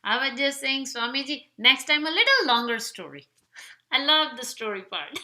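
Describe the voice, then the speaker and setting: A woman's voice: high-pitched, sing-song, moderate pace, pushed and bright. A woman from India, a participant on a video call, chatting eagerly. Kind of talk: casual chat on a video call.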